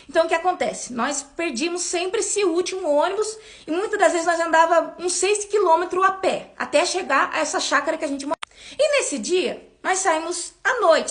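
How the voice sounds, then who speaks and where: A young Brazilian woman in her twenties shares a personal faith testimony in a high voice. She tells it in an animated way, repeating words for emphasis. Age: 20s. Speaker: church member giving testimony.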